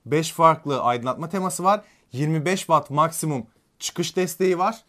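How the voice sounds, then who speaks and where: A man co-hosting a casual tech unboxing, calmly reading out the product's specs and listing what is in the box. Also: fairly high pitch, normal speed. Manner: relaxed, reads out specs from the box.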